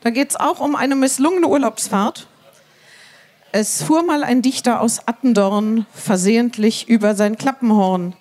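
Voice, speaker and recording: A woman from Cologne co-presenting a limerick reading, making brisk remarks and reading verses aloud. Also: on the high side, darkish tone. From Cologne, Germany.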